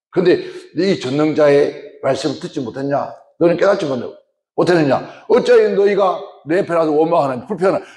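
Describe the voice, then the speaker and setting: A man's voice: a little high, a little mellow, natural voice. A man voicing an almighty God who scolds his people with a string of rhetorical questions. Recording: roomy church sound.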